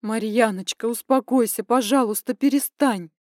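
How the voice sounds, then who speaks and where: Woman playing a tearful middle-aged mother, soothing, pleading, slightly higher voice. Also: moderate pace, a little mellow, no room sound, clean studio sound, lightly acted.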